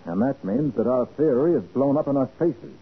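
An actor playing a brisk, commanding private detective in a 1940s radio crime drama. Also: male voice, mid-range voice, expressive, husky. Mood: brisk, resolute. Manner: decisive, takes charge. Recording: noisy, narrow-band 1940s radio recording.

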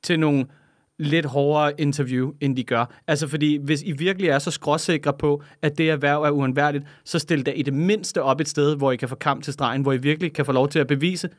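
Casting: man from Denmark, fast ranting co-host, swears a lot, fairly high voice, dry close mic. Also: no echo. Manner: animated, ranting, swears often. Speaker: podcast co-host. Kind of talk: casual chat.

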